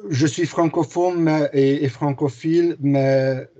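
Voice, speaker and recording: A man's voice: on the high side, steady tone, takes it slowly, mellow. A man in his forties, not a native French speaker, giving a webinar presentation from a home office with many hesitations. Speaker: guest presenter. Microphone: video call. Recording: muffled video call audio.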